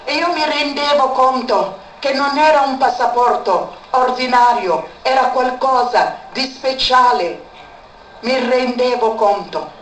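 A woman's voice: high-pitched, slow. A woman giving an emotional spoken testimony, repeating words for emphasis. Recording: echoey room, far from mic, faint background noise.

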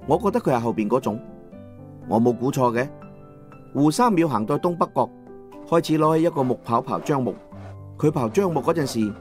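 A man with a Cantonese accent narrating a first-person novel as an audiobook, in a steady descriptive storytelling manner. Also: mid-range voice.

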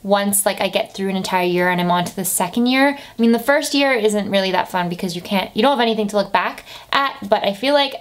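A woman's voice: medium pitch, fast talker, hardly any pauses. Young woman, mid-twenties, chatty beauty vlogger, casual and upbeat, camera at desk distance. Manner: chatty, upbeat, lots of "like" fillers. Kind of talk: casual monthly favourites chat. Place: bedroom with desk and lamp, indoors.

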